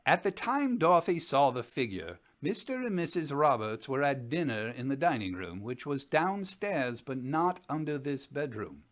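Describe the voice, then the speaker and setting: A man in his sixties giving a measured, formal dramatic reading as the narrator of an old investigation report. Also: medium pitch. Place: small home study, indoors.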